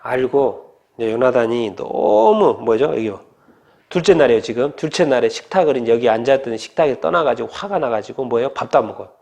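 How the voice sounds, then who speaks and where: A man's voice: mid-range voice, animated, a little fast, vocal fry, darkish tone. A male pastor preaching a storytelling sermon, asking many rhetorical questions.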